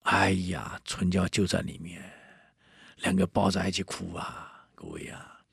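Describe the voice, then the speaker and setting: A man retells an old tale in a chatty, lively way, turning to his listeners now and then. His low voice is gravelly and husky, and the recording is close and dry. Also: unhurried, no room sound. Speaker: storyteller. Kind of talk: casual oral storytelling to an audience.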